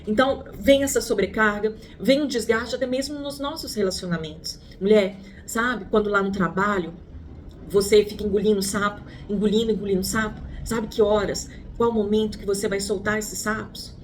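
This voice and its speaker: A woman's voice: medium pitch, steady tone, moderate pace, slight background noise. Chatty Brazilian woman giving a lesson. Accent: Brazilian Portuguese. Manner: conversational, addresses listener as a friend, rhetorical questions. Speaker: psychologist. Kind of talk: online lesson.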